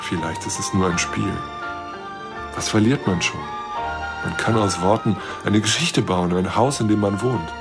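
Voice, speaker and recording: Deep, gravelly lonely dreamer. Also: male voice, unhurried, over loud music. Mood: pensive. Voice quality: gravelly, husky. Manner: brooding, musing to himself. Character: lonely, lovestruck male astronomer, wary but yearning. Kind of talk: radio drama inner monologue.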